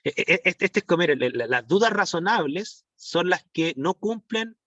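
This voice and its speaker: A man's voice: high-pitched, animated, moderate pace, a bit bright, no room sound. Rambling male teacher on a dull stream. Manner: rambling, many restarts and fillers, rhetorical checks. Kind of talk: online class lecture. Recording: dull, dry lo-fi stream audio.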